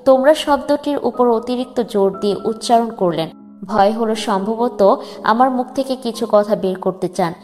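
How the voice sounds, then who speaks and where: Grave woman narrator over soft music. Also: a little high. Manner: grave, measured storytelling. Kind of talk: dramatic reading of a first-person memoir. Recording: long reverb with soft music beneath.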